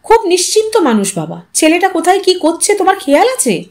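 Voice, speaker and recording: A woman's voice: extremely high pitch, huge pitch swings, a little fast, voice pushed up, exaggerated voice. A woman voicing an anxious, easily hurt mother who frets and scolds in an agitated way, in an audio story. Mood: agitated, fretful. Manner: agitated, fretful complaining.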